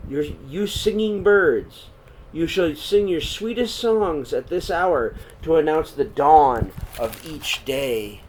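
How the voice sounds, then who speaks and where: A man's voice: on the high side, animated, slow, darkish tone, pitched above the performer's own voice, rough recording. A man voicing a reverent young woman in a storybook, who proclaims solemnly to nature and spirits. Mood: solemn proclaiming. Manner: declamatory, solemn, ceremonious. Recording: clear background noise.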